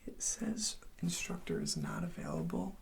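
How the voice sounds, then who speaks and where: A person whispering an ASMR role play as a college advisor, explaining things in an unhurried, reassuring way. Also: mid-range voice, huge pitch swings, vocal fry.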